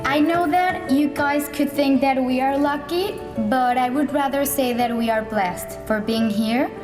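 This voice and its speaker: A woman's voice: sits high, a little slow, over music. A woman exchange student giving an earnest, grateful thank-you speech. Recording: far off in an echoey hall.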